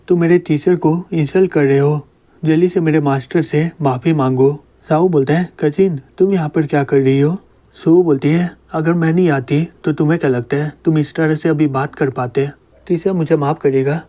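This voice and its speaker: Mellow-voiced man narrating a comic story. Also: on the high side. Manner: reads all characters' lines in the same plain narrating voice.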